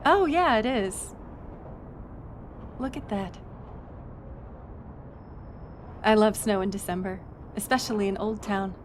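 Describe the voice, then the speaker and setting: A woman's voice: medium pitch, moderate pace, a little hiss or hum, close to an everyday voice. A woman playing a friendly, chatty young docent at a historic house in an audio roleplay, casual and upbeat as she talks to the listener. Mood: welcoming. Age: young adult. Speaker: museum tour guide. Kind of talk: audio roleplay, one-sided conversation with listener.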